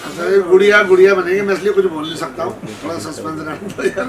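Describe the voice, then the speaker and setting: A man's voice: high-pitched, steady tone, quick pace, over a noisy crowd. A man who works as a filmmaker giving unscripted answers at a press event. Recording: distant mic, noisy room.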